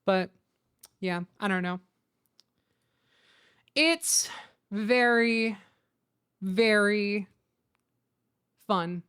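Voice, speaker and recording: A young woman chatting casually on a livestream, excitable, giggly and given to swearing. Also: medium pitch, drawn-out words, pauses often, smooth. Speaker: streamer.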